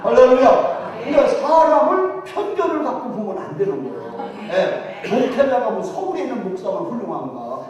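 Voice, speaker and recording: A man's voice: high-pitched, moderate pace, few pauses, dull audio. An older man preaching a revival sermon with a Chungcheong Korean accent, cracking jokes and urging the congregation to respond. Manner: humorous, animated, jokes with congregation. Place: large church sanctuary. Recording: echoey hall, distant mic.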